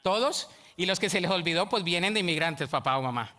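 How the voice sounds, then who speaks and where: Man preaching in church, bright sharp voice, gets loud and keeps asking the crowd stuff. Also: high-pitched, fairly quick. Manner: animated and emphatic, calls out to the congregation; admits to being a shouter. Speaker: pastor. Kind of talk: sermon. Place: church sanctuary.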